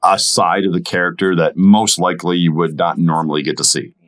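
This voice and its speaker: A man speaking as a guest voice actor in a casual interview and commentary, with halting, measured phrasing. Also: low-pitched, little pitch movement, fairly bright tone.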